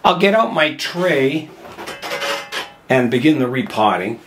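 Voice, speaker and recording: An older man, hoarse from a cold, hosts a bonsai channel, chatting casually and thinking aloud as he works with his hands in a glass greenhouse. His medium-pitched voice is very animated and slow. There's background noise.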